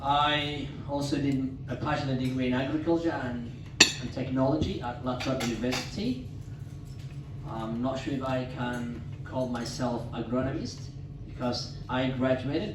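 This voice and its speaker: A man from Somalia in his thirties, giving a prepared, formal talk as a guest speaker at a club dinner, with measured delivery and occasional restarts. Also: medium pitch, fairly even intonation, distant mic, background noise. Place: club meeting room. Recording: echoey hall, speaker away from mic.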